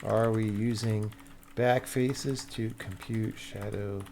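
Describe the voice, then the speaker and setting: A man's voice: fairly low pitch, steady tone, takes it slowly, creaky, darkish tone, a little hiss or hum. A man live-streaming as a game developer, chatting casually and thinking aloud as he works, often muttering questions to himself. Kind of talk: casual livestream chat, thinking aloud while working.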